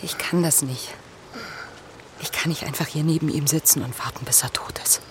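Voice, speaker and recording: A woman playing a distressed but defiant and compassionate thirties character in a naturalistic radio drama, speaking haltingly. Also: sits low, whispered, natural voice. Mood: defiant, upset. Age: 30s.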